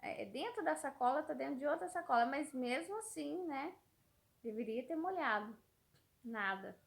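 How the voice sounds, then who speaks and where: High, gravelly Brazilian mom vlogger. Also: female voice, animated, normal speed. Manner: rambling, repeats words, trails off. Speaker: mother vlogger. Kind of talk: casual storytelling vlog.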